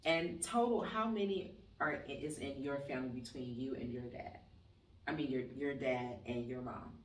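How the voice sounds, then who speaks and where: Female host, measured questions, off-mic and echoey. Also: extremely low pitch. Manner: brief prompting replies, measured questions. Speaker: interviewer. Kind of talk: interview questions. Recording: distant mic, roomy, faint background noise.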